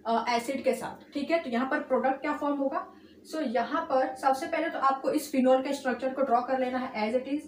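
High-voiced woman teaching, echoey room. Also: a little hiss or hum. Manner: mixes English and Hindi, repeats "ठीक है" and "alright" as check-ins; stretches key terms slowly, rushes the linking phrases. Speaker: chemistry teacher. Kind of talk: whiteboard lesson. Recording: echoey room, far from mic.

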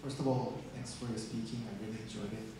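A man's voice: lowish voice, flat delivery, fast talker. A man in the audience politely asking a question, searching for his words. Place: meetup venue, indoors. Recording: echoey room with noise.

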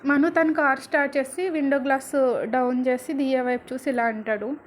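High-voiced woman reading a serial story. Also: moderate pace, slight background noise. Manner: animated, voices rising and louder for characters' lines. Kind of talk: reading a serial story aloud, acting each character.

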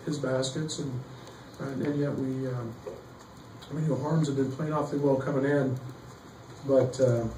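A middle-aged man, a basketball coach, answering questions at a postgame press conference, halting with many fillers and restarts. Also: mid-range voice, steady tone. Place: press room behind a table. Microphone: table mic, heard from some distance. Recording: echoey room, distant mic, faint noise.

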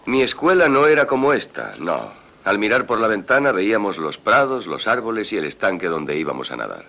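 A man's voice: on the low side, brisk, creaky, dull audio, heavily acted. A man dubbing an easygoing, playful parish priest from an old film. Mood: cheerful. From Missouri. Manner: relaxed, good-humored, teasing. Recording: old film soundtrack with hiss.

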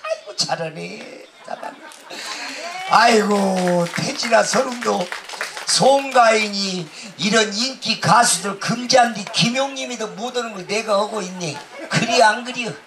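A man doing loud, brash stage comedy outdoors, heckling the crowd through a handheld mic. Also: high-pitched, unhurried. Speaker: pumba street performer. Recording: distant outdoor PA with noise.

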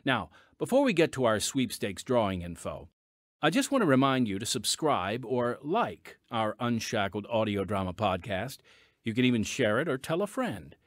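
A man hosting a Christian audio drama podcast, reading scripted announcements in an earnest, measured way. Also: mid-range voice, big pitch swings, no room sound, clean studio sound. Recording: music bed underneath.

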